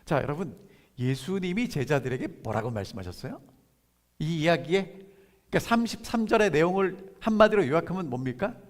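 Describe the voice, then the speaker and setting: A pastor preaching a sermon, who keeps asking the congregation questions and then answers them, and reads scripture slowly and softly. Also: male voice, a little high, very animated. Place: church sanctuary. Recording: long church hall reverb.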